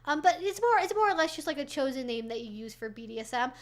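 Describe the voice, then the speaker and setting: Woman in her twenties or thirties, higher voice, casual rambling streamer answering chat questions. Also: animated, quick pace. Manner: rambling, chatty, many fillers and restarts. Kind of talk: casual livestream Q&A.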